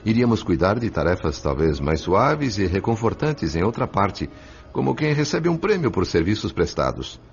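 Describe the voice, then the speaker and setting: Ator fazendo um mentor espiritual sereno, voz bem grave. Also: male voice, fairly low pitch, sing-song. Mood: calm, admonishing. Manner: measured, admonishing, didactic. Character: serene, wise male spirit mentor counselling a friend. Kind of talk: radio drama acting with narration. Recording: dull lo-fi audio with music behind.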